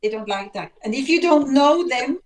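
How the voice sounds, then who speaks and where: A woman from Switzerland with German as her first language speaks English in a high voice. She chats casually, hesitating and restarting as she looks for words. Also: expressive, normal speed, a crowd in the background. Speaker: teacher. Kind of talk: casual call-in chat.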